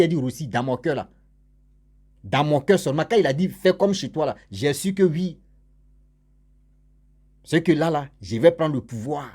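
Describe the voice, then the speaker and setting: A man's voice: medium pitch, a little mellow, breathy edge. A man telling a story casually and with energy, repeating phrases and talking straight to his listeners.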